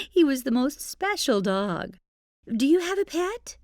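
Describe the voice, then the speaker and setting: A woman telling a children's story, gentle and expressive, with startled exclamations. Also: sits high, slow. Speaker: storyteller host. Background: music.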